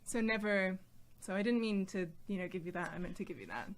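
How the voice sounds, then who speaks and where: A woman with a slightly softened American accent, a native Polish speaker, chatting in a bubbly, giggly way on a stream. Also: mid-range voice, expressive, brisk. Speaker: guest, streamer's wife. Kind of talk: casual live-stream chat.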